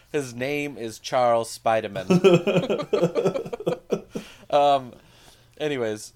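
A man co-hosting a podcast, recapping casually in a halting, hesitant way with dry jokes slipped in. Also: fairly low pitch, a little mellow. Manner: hesitant, halting, dryly joking. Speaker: podcast co-host.

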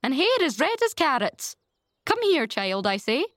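A woman's voice: high-pitched, sing-song, a little slow, fairly bright tone, dry recording, studio quality, pitched above the performer's own voice, heavily acted. A woman voicing a blunt, judgmental busybody in a storybook, with an emphatic, solemn, outspoken delivery. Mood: blunt, scornful.

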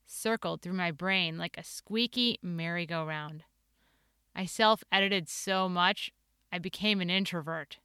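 A woman in her forties with a Midwestern American accent talks through her solo podcast in an earnest, playful way. Her voice is sharp and bright, smooth and clean. The recording is dry and close, with little sound of the room. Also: on the low side, measured pace, no room sound. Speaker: podcast host.

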